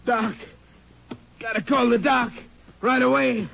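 High-pitched, ailing rancher husband. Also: male voice, steady tone, slow pace, gravelly, a crowd in the background, heavily acted. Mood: panicked. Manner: unsteady, distressed, plain-spoken. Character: sick, groggy rancher, anxious husband and father. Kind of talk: 1950s radio drama acting. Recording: muffled, hissy old radio recording.

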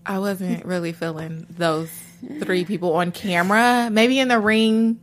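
A woman's voice: on the low side, steady tone, a little slow. A woman co-hosting a TV after-show, chatting casually and animatedly with many fillers. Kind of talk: casual chat.

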